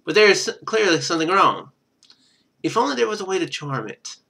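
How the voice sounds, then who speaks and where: A man with a bright, fairly high voice plays a game for a live stream. He reads the on-screen narration aloud with very animated pitch, then drops into casual commentary with wry, sarcastic asides. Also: brisk, gravelly, husky.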